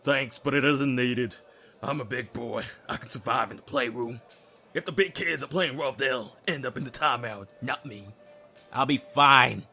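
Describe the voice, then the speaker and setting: An actor playing a cocky, mouthy young prisoner in a black comedy audio sketch, smug, theatrical and sarcastic. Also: male voice, mid-range voice, moderate pace, creaky, bright, forceful tone, soft background music. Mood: dismissive, sarcastic. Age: young adult.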